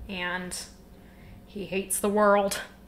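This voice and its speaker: A woman speaks with a Utah accent. Her intonation is monotone and flat. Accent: Utah accent, drops T's. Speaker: podcast co-host. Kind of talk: casual chat about books.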